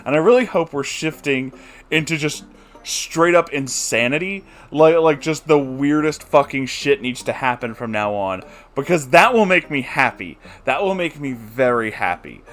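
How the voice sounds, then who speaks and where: A man's voice: on the high side, a bit bright. A man hosting a story-reading channel, giving casual, sarcastic commentary on a book he finds stupid. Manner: sarcastic, exasperated critic.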